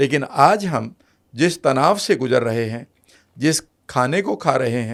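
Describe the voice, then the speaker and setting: The man's intonation is lively. He has a normal speaking voice. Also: medium pitch for a man, very clean recording, silent background. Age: 60s. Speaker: health expert. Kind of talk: podcast interview.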